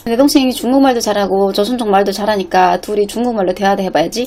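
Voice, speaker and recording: Talking at a very fast pace, a woman uses a fairly high pitch, a dark, mellow tone and ordinary pitch variation. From North Korea. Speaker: internet streamer. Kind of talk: casual vlog talk.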